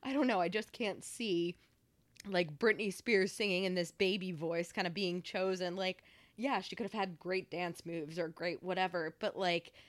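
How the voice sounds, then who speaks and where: A woman's voice: lowish voice, steady tone, normal speed, no echo. A young woman co-hosting a podcast in casual chat, talking loosely with many fillers. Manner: chatty, many fillers like "like" and "you know". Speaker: podcast co-host.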